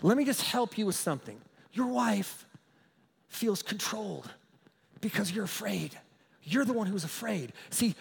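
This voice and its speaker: Pastor preaching: man, high voice, story-driven and emphatic, chuckles, echoey hall. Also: creaky, breathy edge. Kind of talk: sermon.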